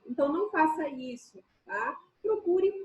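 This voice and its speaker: Brief: woman teacher, high-pitched, chatty, teasing her online class, echoey room. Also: animated, normal speed, gravelly, a little mellow. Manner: chatty, joking, checks in with the class often.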